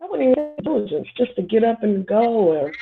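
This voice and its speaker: A woman's voice: fairly high pitch, big pitch swings, brisk, creaky. A woman in her forties, born in Somalia, speaking as a guest on a casual panel chat in a candid, rambling way. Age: 40s. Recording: tinny phone-like line.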